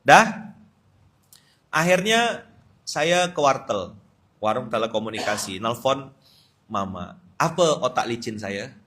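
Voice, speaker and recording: A man's voice: mid-range voice, expressive, slow, long pauses, bright, forceful tone. A man preaching to a gathering, telling a funny story and acting out the voices in it. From Pontianak, Indonesia. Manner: humorous, acts out quoted voices, laughs often. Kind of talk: storytelling sermon.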